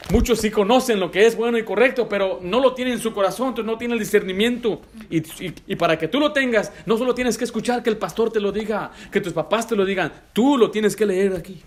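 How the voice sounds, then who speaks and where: A man with a high-pitched voice preaching in a church, pressing his listeners with pointed rhetorical questions. He speaks in an emphatic, direct way and slips English phrases into his sermon. He sounds middle-aged. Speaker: pastor.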